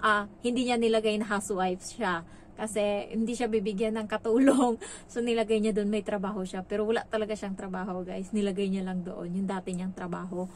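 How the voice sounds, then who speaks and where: Chatty Filipina vlogger, gossipy. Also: female voice, mid-range voice, level tone, brisk, slight background noise. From Philippines. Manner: chatty, gossipy, lots of filler words. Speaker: domestic worker abroad. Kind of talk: casual vlog storytelling.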